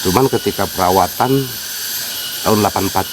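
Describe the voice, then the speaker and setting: A man's voice: low-pitched, fast talker, background noise. A man with a Sundanese accent, working as a site guide, explains things unhurriedly, with many fillers. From West Java, Sundanese. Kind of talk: casual explanatory interview. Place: outdoors at a wooded sacred site.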